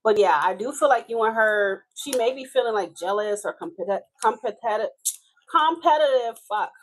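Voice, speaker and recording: A woman's voice: on the high side, animated, moderate pace, low-quality recording. A woman from Haiti with a Haitian accent, reading tarot live in a casual, chatty way, swearing and laughing as she talks. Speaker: tarot reader.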